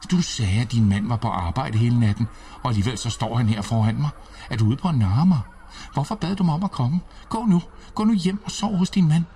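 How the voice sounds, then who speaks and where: Guy putting on a feverish major, raving, pitched way up, distant mic with faint music. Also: natural voice. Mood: agitated. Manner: agitated, pleading, shouting in delirium. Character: feverish delirious middle-aged army major, frantic.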